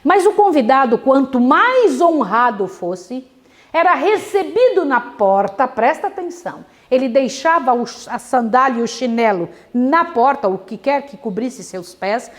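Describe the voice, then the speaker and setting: A woman's voice: sits high, sing-song, measured pace. A woman who teaches a devotional Bible study, telling the story dramatically and asking her listeners questions.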